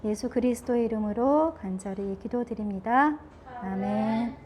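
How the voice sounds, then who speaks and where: A woman's voice: fairly high pitch, measured pace, a crowd in the background. A woman leading an earnest, solemn opening prayer before a sermon.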